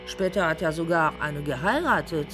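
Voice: mid-range voice, expressive, moderate pace, lightly acted. A performer playing a worldly drag queen in a radio play, reminiscing about a former lover in a wry, confiding manner. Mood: confiding, rueful. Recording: music behind the voice.

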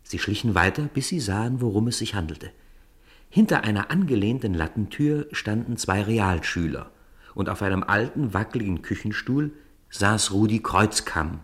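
A man narrating a children's audio drama in an expressive storytelling manner. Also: fairly low pitch, normal speed.

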